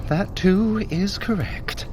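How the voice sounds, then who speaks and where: A man's voice: high-pitched, drawn-out words, background noise. An actor playing a wry, vain, scheming trickster god in an audio drama, sarcastic and fussy as he guides the listener. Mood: sardonic. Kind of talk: scripted audio drama acting, guiding the listener.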